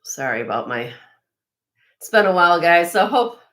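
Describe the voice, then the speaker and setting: A woman with a slightly raspy voice hosting a live jewelry sale, chatting casually and admiringly as she shows each piece, with frequent fillers and restarts. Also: fairly low pitch, sing-song, normal speed, a bit bright. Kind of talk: casual show-and-tell product presentation.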